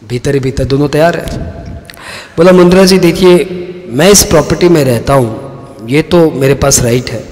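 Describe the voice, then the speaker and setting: A man lectures on tax in a chatty, storytelling manner. He acts out short dialogues in his examples. His slightly high voice rings with the long reverb of a hall.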